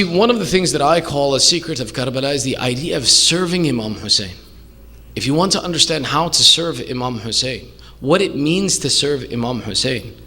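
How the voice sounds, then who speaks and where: A man's voice: medium pitch, bright, forceful tone, slightly rough. A man preaching a religious sermon in English, earnest and emphatic, posing rhetorical questions and repeating key phrases. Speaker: preacher, sheikh.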